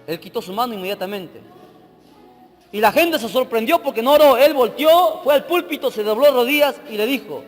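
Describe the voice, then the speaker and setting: A male preacher with a notably high voice tells a story in his sermon. He swings from loud, emphatic bursts to hushed narration. His voice carries a long reverb through a church hall, with faint music underneath. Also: expressive, fairly quick.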